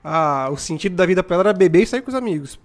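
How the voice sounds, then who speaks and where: Young Brazilian man, high voice, rapid slangy talk, animated storyteller. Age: 20s. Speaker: live-stream host. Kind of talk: casual motivational chat.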